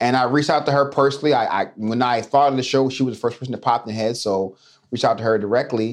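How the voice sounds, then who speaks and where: In an American accent and a normal speaking voice, a man of medium pitch talks at a fairly quick pace with fairly even intonation over a quiet background. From Baltimore, US. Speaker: fashion entrepreneur and show producer. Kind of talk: casual chat.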